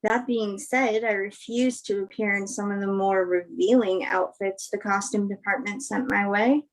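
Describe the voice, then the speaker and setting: A woman's voice: medium pitch, fairly even intonation, moderate pace, lightly acted, rough recording. A woman acting the part of a candid, principled movie star giving an interview in a naturalistic play reading, frank and reflective. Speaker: actress in a virtual staged reading.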